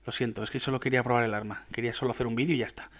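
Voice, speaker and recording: A young man from Spain with a Spanish accent, commenting his own gameplay in an excitable, chatty way with frequent laughs. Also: mid-range voice, racing. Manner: excitable, laughs often, chatty asides to viewers. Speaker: gaming YouTuber.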